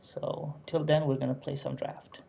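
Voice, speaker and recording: A man's voice: mid-range voice, level tone, moderate pace, vocal fry, mellow, breathy edge. A man hosting a casual live stream with a sore throat, chatty and pleading with viewers to like and subscribe, with lots of fillers.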